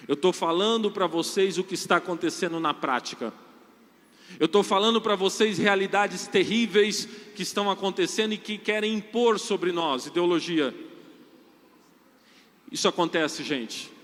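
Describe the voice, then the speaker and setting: Brazilian male priest, sermon delivery, bright forceful tone, addresses the crowd directly, reverberant hall. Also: high-pitched, moderate pace. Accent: Brazilian Portuguese. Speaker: Catholic priest preaching. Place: large church hall with long reverb.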